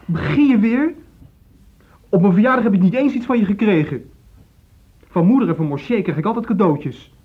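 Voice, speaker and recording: Teenage son: high-pitched, resentful, curt and defiant radio-drama delivery, dull narrow recording. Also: male voice, lively intonation, moderate pace, long pauses, husky. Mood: sulky, defiant. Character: sullen, resentful sixteen-year-old son, easily hurt. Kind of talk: Dutch radio play acting. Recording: dull, muffled old radio play recording.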